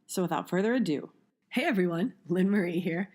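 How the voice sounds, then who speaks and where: A woman hosting an interview podcast, hoarse and strained after losing most of her voice to allergies, chatty and quick to laugh at herself. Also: on the low side, a little mellow. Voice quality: strained, husky. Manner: laughs often, self-deprecating. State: hoarse, nearly lost voice from allergies. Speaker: podcast host. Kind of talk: casual interview chat.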